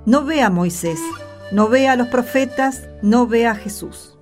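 A woman's voice: fairly high pitch, a little slow, a little mellow, faint music behind. A woman with an Argentine accent, presenting on a radio drama in scripted, explanatory dialogue.

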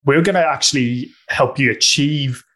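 A Northern Irish man speaks as a podcast guest with a bright, forward voice. He explains at an easy conversational pace, stopping often with fillers and restarts as he works through his thoughts. His delivery is relaxed and unscripted. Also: mid-range voice, moderate pace. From Northern Ireland. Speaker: guest discussing customer success. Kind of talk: conversational interview answers.

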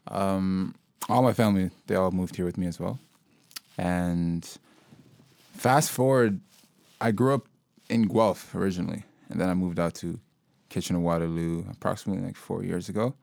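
A young man with a very low voice talks loosely and unhurriedly, circling his thoughts with fillers and restarts. He is a local hip-hop artist from Sudan being interviewed. The recording is dry and close. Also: normal speed, creaky, no echo. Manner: relaxed, rambling, lots of fillers and restarts. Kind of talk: casual interview conversation.

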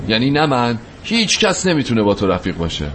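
An actor playing a weary, blunt companion who speaks cuttingly and with exasperation. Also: male voice, mid-range voice, big pitch swings, a bit bright, slight background noise. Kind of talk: drama acting.

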